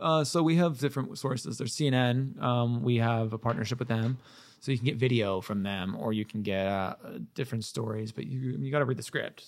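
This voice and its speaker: At a fairly quick pace, a man speaks in a normal speaking voice. His pitch sits in the medium range with ordinary variation. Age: 20s. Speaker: morning news anchor. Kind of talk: casual chat.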